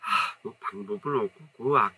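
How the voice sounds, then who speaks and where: Bright-voiced man with a regional Chungcheong lilt. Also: on the low side, normal speed, husky. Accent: Jecheon dialect of North Chungcheong. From Jecheon, North Chungcheong, Korea. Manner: rambling, chuckling, modest. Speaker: saxophonist guest. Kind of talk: casual interview storytelling. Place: indoor studio with curtain backdrop. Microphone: off-camera mic, seated two-shot.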